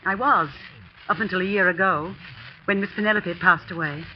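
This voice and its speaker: A woman's voice: lowish voice, normal speed, slight background noise, natural voice. An actress playing an older woman, a school housekeeper who hesitantly confides gossip, in a 1940s radio drama. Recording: muffled 1940s radio broadcast.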